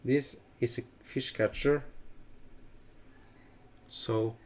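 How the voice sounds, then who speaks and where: A middle-aged Norwegian man speaking English with a Norwegian accent, hosting a casual fly-tying tutorial with halting phrasing and many fillers. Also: medium pitch, steady tone, darkish tone. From Norway. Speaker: fly-tying channel host.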